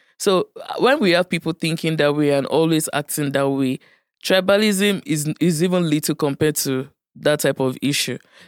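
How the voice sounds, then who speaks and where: A man with a Nigerian accent at a moderate pace, ordinary pitch variation, a very clean recording with a silent background, and a dry, close sound with no echo. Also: fairly high pitch for a man. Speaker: podcast co-host. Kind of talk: casual panel discussion. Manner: assertive.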